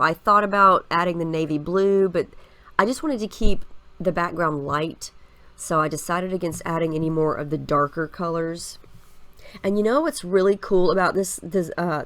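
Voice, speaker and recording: A woman's voice: lowish voice, dry recording. Scratchy-voiced woman with a head cold. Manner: chatty, relaxed, explains each step with fillers. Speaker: scrapbooking video host. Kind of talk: casual voice-over narrating a craft process.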